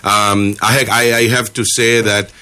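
A man from Sri Lanka, a company managing director, speaking as a guest on a radio show with measured phrasing and frequent filler pauses. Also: fairly low pitch, little pitch movement, pushed and bright, clean tone. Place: radio studio.

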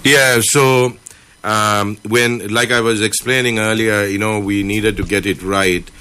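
A man from Sri Lanka talks in a radio studio as a company director, his voice sitting low yet with a crisp, forceful brightness. He speaks in a measured way and fills his pauses often with "um" and "uh". A studio microphone picks him up closely. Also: fairly even intonation. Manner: measured, with many filler pauses. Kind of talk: radio interview guest.

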